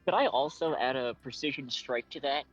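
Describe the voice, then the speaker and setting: A man's voice: mid-range voice, a little fast, highs cut off, faint music behind. Hesitant stammering man. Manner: hesitant, stammering, self-mocking. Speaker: player. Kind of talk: casual tabletop game play.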